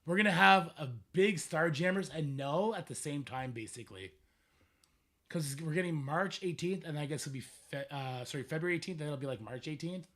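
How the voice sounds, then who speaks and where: A man's voice: a little high, normal speed, a bit bright. A man chatting casually on a gaming livestream, thinking aloud in a rambling way, his voice strained as if he is losing it. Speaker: live streamer.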